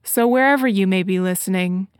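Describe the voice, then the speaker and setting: A woman narrating a radio documentary in a scripted, measured and deliberate way. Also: mid-range voice, clean tone, no echo, clean studio sound.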